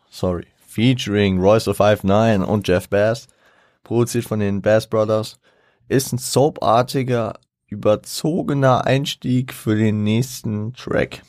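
Low-voiced German podcast host, rambling. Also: male voice, darkish tone, no echo, studio quality. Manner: rambling, self-correcting, laughs often. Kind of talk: casual music commentary.

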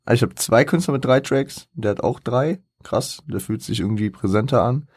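A man's voice: mid-range voice, normal speed, darkish tone, slightly rough, dry recording, studio quality. A man hosting a casual solo podcast, rambling and thinking aloud with many fillers and self-corrections. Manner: thinks aloud and counts things off. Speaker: podcast host.

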